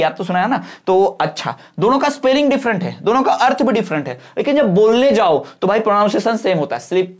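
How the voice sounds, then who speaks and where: A male teacher giving an exam-prep lecture, explaining patiently, reading English sentences out slowly and often checking that students follow. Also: high-pitched. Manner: mixes Hindi with slowly read English sentences.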